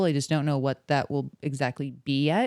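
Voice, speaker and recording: A woman's very deep, low voice in a Milwaukee accent, moderate in pace and fairly even in intonation, with a dry, close sound, no echo and a silent background on a very clean recording. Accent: Milwaukee Wisconsin accent, rounded vowels. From Milwaukee, Wisconsin. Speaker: event planner and social media marketer. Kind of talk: casual interview chat.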